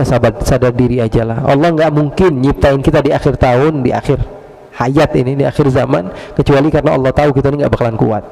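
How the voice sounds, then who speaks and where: A male preacher delivers a sermon, telling stories and pausing on rhetorical questions. His voice is gravelly with plenty of fry, and it sits a touch high for a man. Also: a little mellow, rough recording. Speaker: Islamic preacher.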